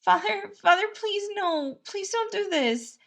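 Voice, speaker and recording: Lady doing a soft-hearted timid guy for a story, high voice, stammery and pleading. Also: animated, a little slow, full character voice. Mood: crying, pleading. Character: tearful, timid, sweet-natured young man, a baker.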